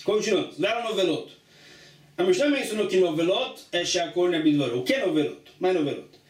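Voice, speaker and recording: A man's voice: sits high, lively intonation, quick pace. A man teaching a religious study lesson, reading a passage aloud and then explaining it plainly, often repeating himself. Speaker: Talmud teacher. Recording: echoey room, distant mic.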